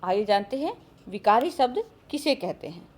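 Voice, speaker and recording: A woman's voice: mid-range voice, sing-song, normal speed, darkish tone. A woman teaching a grammar lesson to schoolchildren, calling them often and asking questions she then answers herself. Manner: addresses children often, asks and answers her own questions. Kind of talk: recorded online grammar lesson.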